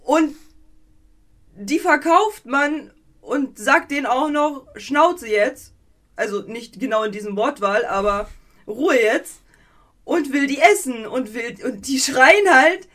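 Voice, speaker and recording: A woman co-hosting a podcast in casual chat, animated and rambling, with many fillers and a playfully mocking edge. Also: sits high, measured pace. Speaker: podcast co-host.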